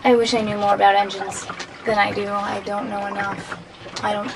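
A young adult woman casually narrating her own video diary on a sailboat, recorded on a handheld camera amid loud boat noise. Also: mid-range voice, level tone, moderate pace. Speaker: solo sailor narrating life aboard. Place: aboard a small sailboat.

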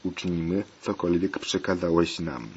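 A man's voice: low-pitched, normal speed, darkish tone, lightly acted. A man voicing a stubborn, bleeding male pirate prisoner who growls pirate sounds, on a dull lo-fi recording. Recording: dull lo-fi recording, faint hiss.

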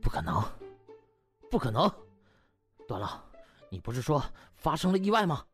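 A man voicing a stunned, outraged male hospital official with an incredulous, halting manner in an audiobook. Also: on the high side, very animated, faint music behind.

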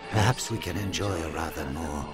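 A man's voice: low voice, fairly quick, loud music behind the voice, close to an everyday voice. A man playing a haughty, seductive, heartless nobleman in a video game, suave and arrogant. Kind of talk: game dialogue.

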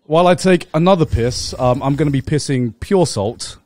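A young man with a fairly high voice speaks bluntly and swears casually in a relaxed podcast chat. He is recorded in a small studio. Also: normal speed. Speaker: podcast co-host. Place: small neon-lit studio.

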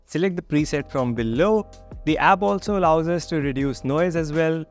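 A young man with a slightly raised pitch talks straight to camera in a dim home studio. He runs through a software review in an upbeat, friendly way. Soft music plays faintly underneath. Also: moderate pace. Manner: upbeat, friendly, walks through steps plainly. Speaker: tech reviewer, channel host.

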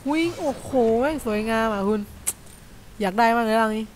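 A man with a high voice giving excited, casual play-by-play commentary over a video game, full of exclamations. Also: brisk, a little hiss or hum. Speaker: gameplay commentator.

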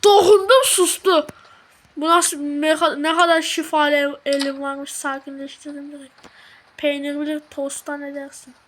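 A woman with a very high, sharp and bright voice talks through a horror game as she plays. She is jumpy, curses under her breath and mumbles prayers. A faint hiss sits under her voice. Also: flat delivery, moderate pace. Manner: jumpy, swears and shrieks when startled; mutters prayers under breath when scared. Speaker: gamer. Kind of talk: horror game let's play commentary.

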